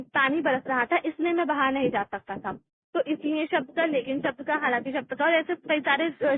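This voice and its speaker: A woman teaching an exam-prep lesson. She explains step by step, often restarting her phrases, and reads textbook passages aloud slowly. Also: high-pitched. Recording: tinny phone-like recording with faint hiss.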